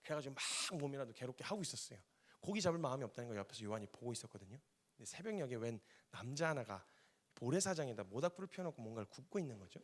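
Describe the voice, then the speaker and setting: A man's voice: mid-range voice, very animated, very fast. A man preaching a sermon as a missionary, telling the story vividly and acting out the dialogue in casual speech. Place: church.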